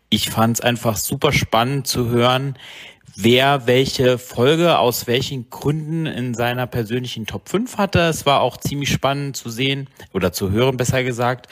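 A man in his early thirties giving a fan message for a podcast. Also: mid-range voice.

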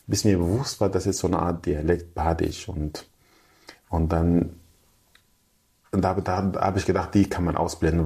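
Deep gravelly man. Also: mellow. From Syria. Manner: fluent but non-native, restarts, acts out quoted people. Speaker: guest. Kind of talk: casual interview chat.

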